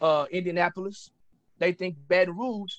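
Speaking with a Southern US accent, a man uses a high voice with ordinary pitch variation. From Southern Oklahoma. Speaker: rapper, touring artist. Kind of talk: casual chat.

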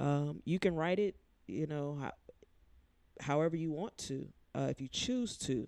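With long, frequent pauses, a woman speaks at a fairly slow pace in a very deep, low voice with a dark, mellow tone. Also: lively intonation. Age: 30s. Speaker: podcast co-host. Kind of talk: casual chat.

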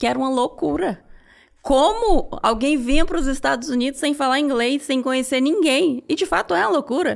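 With lively intonation and high pitch, a woman speaks in a very clean recording with a silent background. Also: fairly quick pace. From rural interior of Bahia, Brazil. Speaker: entrepreneur. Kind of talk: interview.

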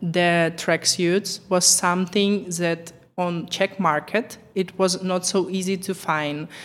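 A woman speaks at a very slow pace and a medium pitch. Her intonation is monotone and flat. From Ukraine. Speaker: fashion designer. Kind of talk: casual interview. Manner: nervous.

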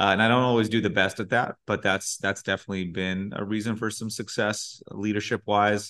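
A man with a normal speaking voice and an American accent, in front of a quiet background. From Southern California, Riverside County. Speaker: business coach and entrepreneur. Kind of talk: casual interview.

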